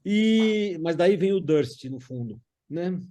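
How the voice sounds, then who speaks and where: A man recalling family history in casual conversation, haltingly and with frequent checking tags. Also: high-pitched, animated, warm tone.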